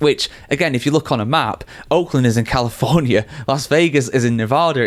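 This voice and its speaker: A man speaks with an English accent. His intonation is lively. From England. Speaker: motorsport commentator. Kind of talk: video commentary. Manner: conversational.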